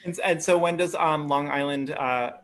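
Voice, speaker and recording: A man's voice: on the high side, normal speed, a bit bright. An American man hosting a casual interview, speaking informally and feeling his way through his questions. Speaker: bookstore event host, interviewer.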